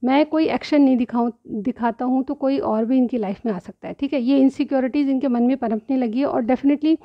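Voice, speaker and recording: Tarot reader: woman, high chatty voice, slightly sore throat, dull lo-fi sound. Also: brisk. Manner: chatty, keeps asking "theek hai?". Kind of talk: direct-to-viewer tarot reading.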